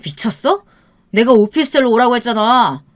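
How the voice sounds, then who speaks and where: A woman's voice: lowish voice, lively intonation, unhurried. A woman voicing a volatile, scheming young boyfriend who snaps in anger and then turns coaxing. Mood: angry shouting. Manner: snapping, hostile, then suddenly soft.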